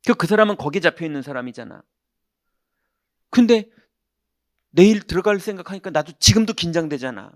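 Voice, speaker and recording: A man preaching as a pastor, telling a personal story in an animated way and acting out the people in it. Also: a little high, fairly quick, long pauses, no room sound, studio quality. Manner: animated, acts out quoted voices, shouts punchlines. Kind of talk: sermon with storytelling. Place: church sanctuary.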